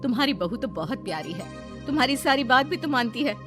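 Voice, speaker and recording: A woman voicing a kind, wise middle-aged neighbor who reasons calmly in a cartoon story. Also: high voice, fairly quick, over music, voice pushed up. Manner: calm, reasoning, gently firm.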